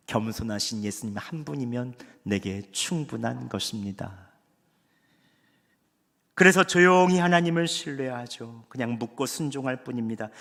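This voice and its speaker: A man of middling pitch preaches a Sunday sermon as pastor. His talk is earnest and conversational, rising for emphasis and falling almost to a whisper. The sound carries a long reverb from the church sanctuary. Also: creaky. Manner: earnest, conversational preaching with swings between raised and hushed delivery.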